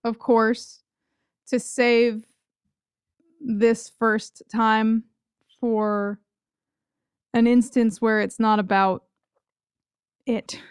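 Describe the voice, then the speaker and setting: A woman co-host speaks very slowly in a clean, smooth, higher voice. Her commentary is casual and conversational, recorded dry. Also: flat delivery, dry recording. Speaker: podcast co-host.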